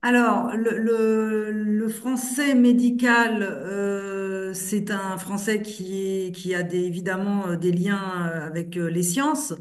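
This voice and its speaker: A woman trainer explaining what a course covers, speaking haltingly with many fillers. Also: mid-range voice, level tone.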